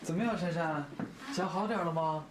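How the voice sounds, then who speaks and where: A man's voice: on the high side, moderate pace, very noisy, lightly acted. An actor playing a cheerful married executive, an expecting father, who chats genially. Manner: genial and chatty. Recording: TV drama with loud music underneath.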